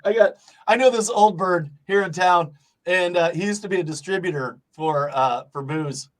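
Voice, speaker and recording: A man's voice: sits high, moderate pace, poor audio. A man hosting a casual interview, joking, swearing freely and laughing often. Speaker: host.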